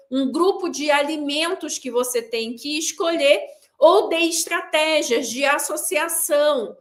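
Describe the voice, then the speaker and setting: A woman with a high voice talks straight to her viewers, seated for an online class. She is emphatic, driving her points home by repeating a short, clipped punchline again and again. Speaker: weight-loss coach hosting a pre-event class. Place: seated indoors.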